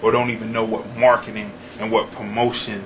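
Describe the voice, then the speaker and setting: An American man interviewing someone casually, putting his questions in a direct, deliberate way, point by point. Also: on the low side, flat delivery. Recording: clearly noisy ambient recording.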